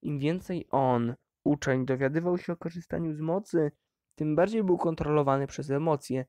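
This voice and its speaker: Man, audiobook narration, measured, dry close-mic sound, slightly high voice. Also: mellow, no room sound.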